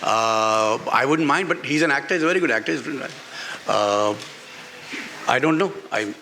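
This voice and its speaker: A middle-aged Pakistani man speaks in a bright, forceful voice of medium pitch. He answers as an author in a live interview, candid and emphatic, often repeating a phrase. Some ambient noise sits behind him. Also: expressive, normal speed, vocal fry. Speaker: author on a festival panel. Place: live literary festival session in a garden venue. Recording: live event with background noise.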